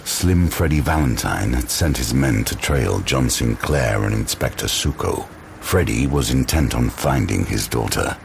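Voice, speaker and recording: Extremely deep, gravelly male thriller narrator. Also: expressive, a little hiss or hum. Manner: measured, dramatic pauses. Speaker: audio drama narrator. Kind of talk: dramatic scripted narration of an action thriller. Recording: loud music bed. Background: loud dramatic music.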